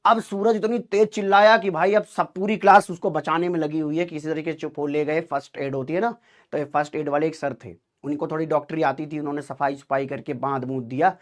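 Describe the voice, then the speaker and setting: A man telling students a story in an animated, dramatic way, acting out the dialogue. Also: a little high, brisk. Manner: lively, dramatic, acts out dialogue.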